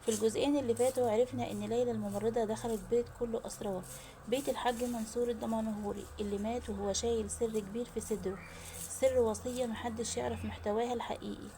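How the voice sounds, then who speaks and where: A woman with an Egyptian accent narrating a dramatic story, lively and suspenseful, addressing viewers directly. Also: on the high side, quick pace, background noise.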